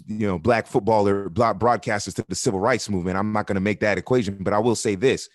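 A man's voice: on the low side, no echo, studio quality. A man from Miami, a soccer broadcaster speaking as a podcast guest, candid and earnest, building his points through repetition. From Miami, United States. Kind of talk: podcast interview.

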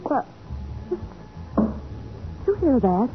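An actress playing an anxious, eager detective's assistant in a 1940s radio crime drama. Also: female voice, sits high, big pitch swings, takes it slowly, dull audio, music in the background, heavily acted. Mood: alarmed. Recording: thin, noisy 1940s radio recording.

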